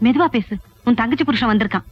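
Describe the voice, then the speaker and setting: Lady doing a protective nagging village mom, high voice, lo-fi movie sound. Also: very fast, a little hiss or hum, close to an everyday voice. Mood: scolding. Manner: scolding. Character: older village mother, scolding and protective. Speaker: mother. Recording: dull lo-fi film soundtrack with music.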